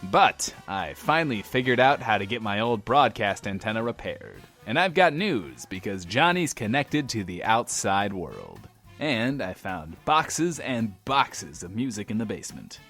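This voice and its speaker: A man's voice: lowish voice, sing-song, measured pace, a bit bright, soft background music, full character voice. An actor playing a brash, self-loving radio DJ in a post-apocalyptic audio drama, with theatrical, wry showman patter. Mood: brash, grandstanding. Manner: smug, theatrical, wry, refers to himself by name. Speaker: radio host. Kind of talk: in-world radio show monologue, showman patter.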